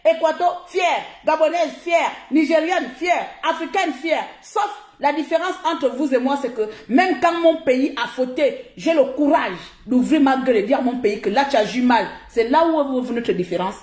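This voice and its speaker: A woman's voice: sits high, animated, normal speed, hardly any pauses, darkish tone, echoey room. A woman from Cameroon with a Cameroonian French accent, giving blunt, mocking live commentary as a streamer.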